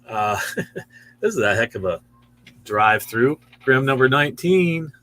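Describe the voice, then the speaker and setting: A man's voice: medium pitch, lively intonation, measured pace, bright, forceful tone. Chatty man in his sixties. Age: 60s. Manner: chatty, easily impressed, lots of wows. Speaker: comic shop host. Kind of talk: casual show-and-tell of new comics. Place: comic book store.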